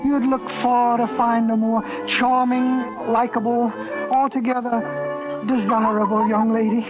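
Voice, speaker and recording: On a tinny old radio broadcast with music, a man with a very high, level voice narrates a 1950s radio drama at a measured pace as its lead actor. He plays a timid, fussy store clerk, hesitant and stammering, with a fretful mood.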